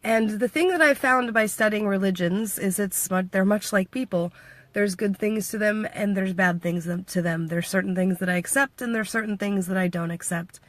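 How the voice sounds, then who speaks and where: A woman's voice: medium pitch, normal speed, dry recording. Playful, chatty woman vlogger. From United States. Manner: chatty and playful, laughs often, quotes others in lively voices. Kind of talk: casual vlog chat. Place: Washington State.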